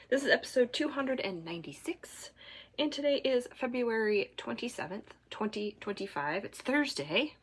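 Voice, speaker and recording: At home, a Michigan woman hosts a knitting podcast, chatting casually to the camera while congested and rambling with fillers and soft asides. Her voice is a little high and husky.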